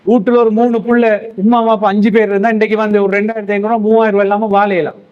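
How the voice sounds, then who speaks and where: A man's voice: high voice, little pitch movement, rapid-fire, clear, resonant tone, highs cut off. A man who preaches a sermon to young men, telling stories and answering his own questions. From Sri Lanka. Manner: storytelling, asks questions and answers them himself.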